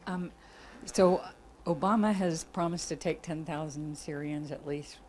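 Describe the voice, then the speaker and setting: A woman in the audience asking a question, hesitant and halting. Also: low voice, darkish tone, a little hiss or hum. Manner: hesitant, with fillers. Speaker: audience member. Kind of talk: question from the floor. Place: lecture room.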